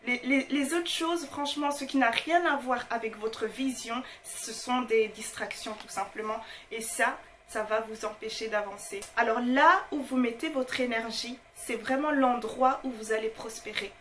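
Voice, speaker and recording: A woman's voice: on the high side, moderate pace, fairly bright tone, slight background noise. A woman speaking in casual, motivational talk to her viewers, emphatic and informal, repeating her key phrases. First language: not French. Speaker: motivational online host.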